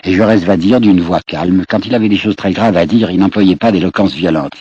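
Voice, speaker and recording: Deep, husky male lecturer, storytelling, direct to listeners, dry muffled old radio sound. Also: a little fast, dark tone, no room sound. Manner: storytelling, addresses listeners directly, repeats words as he searches. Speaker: history lecturer. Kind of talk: spoken history lecture. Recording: dull lo-fi old radio recording.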